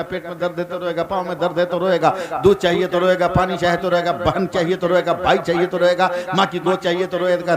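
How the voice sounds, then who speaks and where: A man from India preaching a religious sermon to a gathering, swinging from fervent shouts to quiet asides, with rhythmic repeated refrains. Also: sits high. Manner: rises to fervent shouting, then drops to soft conversational asides. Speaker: Islamic preacher. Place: outdoor religious conference stage. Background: crowd at a large religious gathering.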